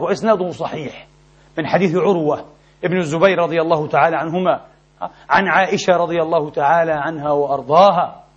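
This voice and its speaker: A man preaching a sermon in a mosque, impassioned and emphatic, with sharp rises in his delivery. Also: fairly high pitch, husky. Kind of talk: Friday sermon. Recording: dull lo-fi recording.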